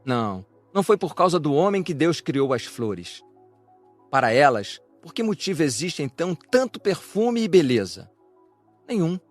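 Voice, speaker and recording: Male reader, slightly high voice, declamatory spiritual narration, music bed behind. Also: big pitch swings, normal speed. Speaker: audiobook reader of a spiritual lecture. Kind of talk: scripted narration, reflective religious discourse.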